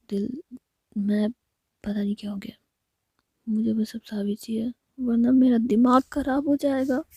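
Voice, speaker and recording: A woman's voice: medium pitch, warm tone, breathy edge, no echo. Woman whispering as a teasing young woman.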